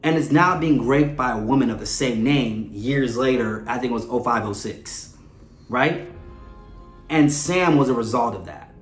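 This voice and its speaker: A man's voice: medium pitch, moderate pace. A man hosting a podcast with casual, analytical commentary, conversational and often checking in with the listener. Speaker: podcast host. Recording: echoey room with faint music.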